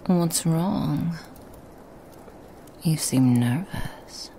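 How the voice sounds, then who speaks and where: A woman's voice: low voice, very slow, slight background noise, full character voice. A woman playing a sly Christmas demoness. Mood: teasing whisper. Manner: soft whispering, teasing and insinuating. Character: seductive female Christmas demon, sly and menacing. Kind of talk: ASMR roleplay.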